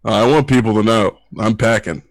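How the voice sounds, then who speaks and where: A man playing in a tabletop role-play, relaxed and joking. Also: fairly low pitch, normal speed, dry recording. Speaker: player.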